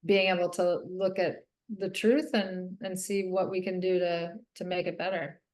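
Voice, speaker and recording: A woman, a guest author, answering an interview question in an earnest, halting way with frequent ums. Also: lowish voice, flat delivery, a little mellow, echoey room.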